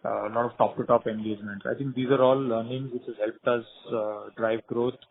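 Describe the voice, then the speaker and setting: A man's voice: mid-range voice, fairly even intonation, a little fast, gravelly. Indian male executive on a tinny phone line. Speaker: company division head. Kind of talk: explanatory business answer on a conference call.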